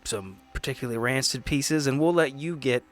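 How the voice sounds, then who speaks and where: A man playing a tabletop roleplaying game, improvising persuasive speeches in a casual, halting way. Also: mid-range voice, soft background music. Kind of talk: improvised in-character negotiation and table talk.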